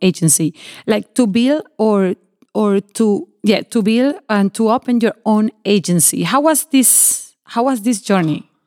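A woman with a Venezuelan accent, fairly high-pitched, at a fairly slow pace, with lively intonation, very even loudness and a dry, close sound with no echo. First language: Spanish. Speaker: podcast host. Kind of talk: casual interview in Spanglish. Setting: studio.

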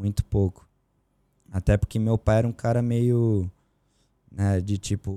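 At a fairly slow pace with long, frequent pauses, a man speaks in a fairly low, dark, mellow voice with monotone, flat intonation and very even loudness, in a dry, close sound with no echo. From interior of São Paulo state, Brazil (Tatuí). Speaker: painter. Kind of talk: casual interview.

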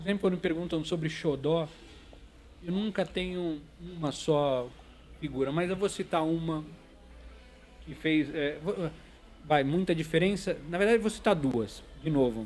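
A man's fairly high-pitched voice at a fairly slow pace, with ordinary pitch variation and long, frequent pauses. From Santos, Brazil. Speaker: toy collector and podcaster. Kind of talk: casual live-stream interview. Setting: shop during opening hours, live stream.

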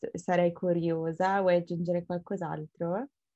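The recording is dry and close with no echo, capturing a woman with a fairly low pitch and fairly even intonation. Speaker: podcast host. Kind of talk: casual interview.

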